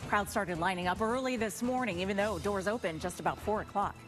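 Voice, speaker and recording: A woman's voice: medium pitch, a little fast. A woman with an American accent reading local news stories as a television co-anchor. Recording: music bed under broadcast voice.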